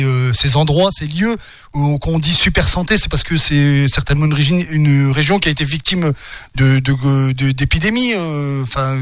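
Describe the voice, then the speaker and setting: A man hosting a radio show, hesitant and friendly, full of pauses and restarts, speaking into a studio microphone. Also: on the high side, a bit bright, dry recording. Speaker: radio host. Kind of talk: radio interview.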